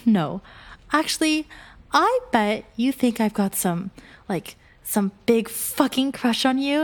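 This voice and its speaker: A woman acting a sarcastic, flustered young woman in an adult audio roleplay, halting, breathy and whiny. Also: on the high side. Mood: defiant, flustered.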